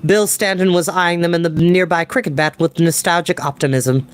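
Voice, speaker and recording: A young adult man reading a novel aloud as storyteller, in expressive audiobook-style narration. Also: on the high side, moderate pace, slight background noise. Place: small room at a desk. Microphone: desk microphone.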